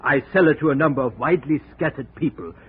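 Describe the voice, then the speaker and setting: An actor playing an evasive middle-aged jeweler in a 1950s radio drama, nervous and defensive. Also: male voice, a little high, quick pace, breathy edge. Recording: tinny old radio broadcast, faint hiss.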